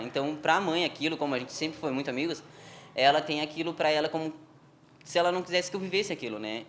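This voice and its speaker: A man's voice: a little high, a bit bright, a little hiss or hum. A young man telling a personal story in a TV interview, informal, with frequent tag questions. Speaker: interview guest. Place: television studio.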